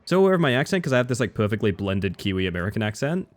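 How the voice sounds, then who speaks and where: A man's voice: on the low side, big pitch swings. Aussie guy streaming, chatty, swears a bit, voice swoops up and down a lot. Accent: Australian. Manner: chatty, reads chat aloud, swears casually, drawn-out musing. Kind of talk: casual live-stream chat while gaming.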